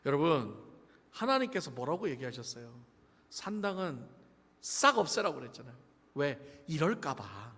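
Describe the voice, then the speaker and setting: A man preaching a sermon as pastor, lively and conversational, with humorous asides to the congregation. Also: fairly high pitch, normal speed, breathy edge. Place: church sanctuary. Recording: long church reverb.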